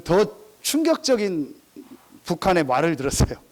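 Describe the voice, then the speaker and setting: A man's voice: high voice, sing-song, moderate pace. A male pastor preaching a sermon filled with humorous anecdotes. He talks straight to the congregation with rhetorical questions, mimics regional dialects and laughs at his own jokes.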